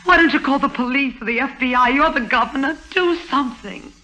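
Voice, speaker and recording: A frightened young secretary, her voice bright and keen, pleading and breathless. Old radio drama with a period polish. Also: high voice, brisk, slight background noise. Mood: urgent. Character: distressed young female secretary. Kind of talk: 1950s radio drama acting.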